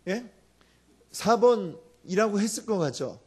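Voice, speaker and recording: A male pastor preaching a sermon, telling a story with lively acted-out quotes and asking the congregation questions. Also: sits high, takes it slowly, breathy edge.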